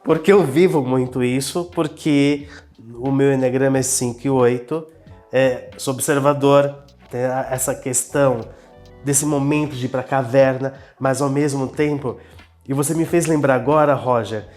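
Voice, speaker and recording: With a Brazilian Portuguese accent, a man speaks in a steady, mid-range voice at normal speed, slightly mellow, over soft background music. A business owner, he shares personal experiences in an earnest, casual conversation, reflecting on himself as he tells his stories.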